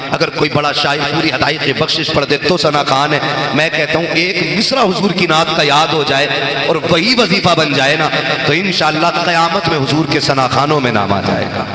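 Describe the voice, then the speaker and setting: Man preaching to a crowd, echoey hall. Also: a little high. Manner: banters with the crowd and calls out slogans for them to answer. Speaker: religious speaker. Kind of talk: sermon to a live gathering.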